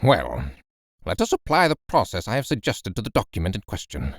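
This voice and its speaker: Male narrator as a commanding elderly professor, impatient, lively pitch, storybook reading. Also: brisk, no room sound, studio quality. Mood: probing. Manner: brusque, commanding. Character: stern, excitable old male professor.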